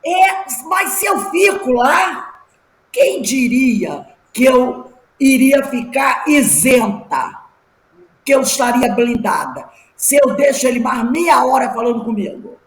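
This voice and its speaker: A middle-aged woman teaching a class, telling personal stories with lively emphasis and rhetorical questions. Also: high-pitched, slow, echoey room, low-quality recording. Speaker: class teacher at a spiritist study group.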